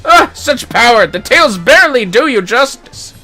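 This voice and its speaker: A man's voice: very high-pitched, very animated, moderate pace, sharp tone, faint music behind, full character voice. A man voicing an earnest, eager young swordsman from a fantasy game, speaking in formal, archaic, valiant phrases. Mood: fired up.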